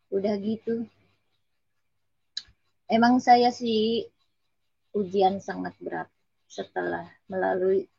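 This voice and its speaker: A woman with a Betawi accent gives a heartfelt personal testimony. She speaks very slowly in a fairly high, husky voice. The recording is dry and dull, with a lo-fi sound. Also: a bit bright, no room sound. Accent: Betawi Indonesian. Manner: earnest, addresses the listener respectfully as sir. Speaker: testimony giver.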